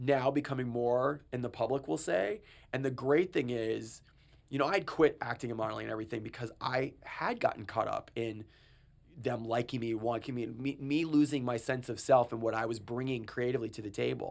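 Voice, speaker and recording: A man speaks at a medium pitch and a fairly quick pace. His pitch varies in an ordinary way, and it is an unremarkable speaking voice. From Florida (Boca Raton). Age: 40s. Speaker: writer, brand strategist and model. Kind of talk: casual interview chat.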